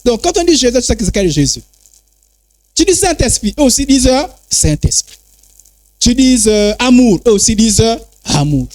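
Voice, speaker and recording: A man's voice: very high-pitched, very animated, fast, hardly any pauses, darkish tone, no echo. A man preaching a sermon as an apostle, with emphatic repetition and call-and-response phrasing.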